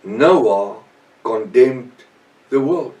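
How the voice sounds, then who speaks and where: A middle-aged man, a native Afrikaans speaker with a South African accent, preaches a Bible lesson off the cuff in short, halting, emphatic phrases with repetition. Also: mid-range voice, lively intonation, a little mellow. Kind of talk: extemporaneous Bible teaching sermon. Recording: echoey room, distant microphone.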